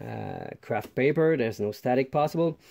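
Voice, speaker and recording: Captured in a very clean recording with a silent background, a man speaks in a dark, mellow tone with ordinary pitch variation. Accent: French. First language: French. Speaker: pinball restorer. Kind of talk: tutorial. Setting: workshop. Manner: halting.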